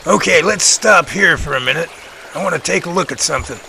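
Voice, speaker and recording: A man acting as a confident, methodical professor in an audio drama, explaining things precisely and deliberately. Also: fairly high pitch, vocal fry, sharp tone, slight background noise, exaggerated voice, rough recording. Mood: focused. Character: confident, methodical male professor tracking a sasquatch.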